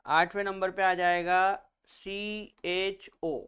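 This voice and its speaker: A man's voice: sits high, level tone, slow, fairly bright tone, clean tone. A male chemistry teacher giving a classroom lecture, naming each term, then asking students to repeat it back, calling them children.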